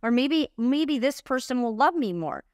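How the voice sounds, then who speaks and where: A woman's voice: high-pitched, animated, normal speed, a little mellow, no room sound. Candid woman host with a dry sound. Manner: candid, confessional, with many restarts. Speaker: podcast host. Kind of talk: casual chat.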